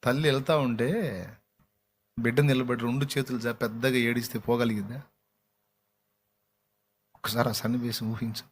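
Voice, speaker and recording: A man preaching a sermon to a congregation, emphatic, questioning and urging his listeners, swinging between loud cries and low asides. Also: little pitch movement, moderate pace, long pauses, slightly rough.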